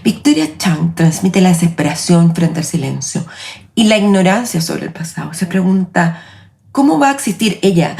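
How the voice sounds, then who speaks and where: A woman in her late forties with a Chilean accent, hosting her own podcast in a reflective, measured, personal narration. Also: fairly low pitch, big pitch swings, gravelly, a little mellow. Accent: Chilean Spanish. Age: 40s. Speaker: podcast host.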